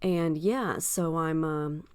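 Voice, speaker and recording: A woman talks through a crafting project in a relaxed, chatty way, filling her pauses with ums. Her voice is fairly low and smooth underneath, with a slight scratchiness left over from being ill. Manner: chatty, friendly, with frequent ums. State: slightly scratchy voice after illness. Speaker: scrapbooking video host. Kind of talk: casual crafting tutorial narration.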